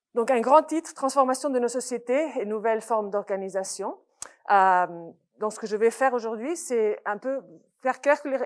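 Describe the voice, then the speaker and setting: A woman with a Spanish accent speaks at a fairly high pitch with lively intonation. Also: very clean recording, silent background. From Spain, Barcelona. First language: Spanish (speaking French). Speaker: economics professor. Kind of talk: lecture. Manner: halting, searching for words.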